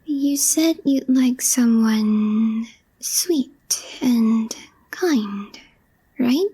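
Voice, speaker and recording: A woman playing a calm, reserved young girlfriend, shyly smitten, in a soft, breathy, hesitant ASMR roleplay voice that often drops to a whisper. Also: on the high side, full character voice, poor audio. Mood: quietly fond. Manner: hesitant, understated, slow with long pauses.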